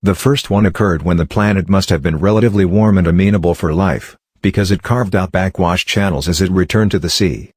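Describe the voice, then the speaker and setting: A man reads academic passages aloud from a script. His voice is deep and husky, and the recording is very dry, with no room sound. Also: a little fast, hardly any pauses, no room sound. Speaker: read-aloud model reader.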